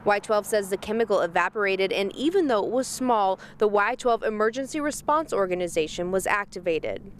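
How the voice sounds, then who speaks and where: Female field reporter, mid-pitched, delivering live TV news narration over faint vehicle noise. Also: animated, fairly quick, hardly any pauses. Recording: faint outdoor traffic noise.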